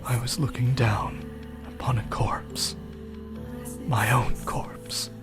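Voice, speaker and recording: Man acting a slow, anguished dead soul. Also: medium pitch, fairly even intonation, close to an everyday voice. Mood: despairing. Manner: grave, breathy, archaic and dramatic delivery. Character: anguished dead man, solemn, weary, vowing to return. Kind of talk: audio drama monologue. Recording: loud music under the voice.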